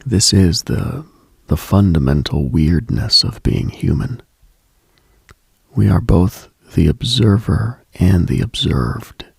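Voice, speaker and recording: Late night radio guy, super husky breathy voice, talks really slow, musing mystical asmr type monologue. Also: low voice, expressive, dry recording. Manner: hushed, musing, pausing often.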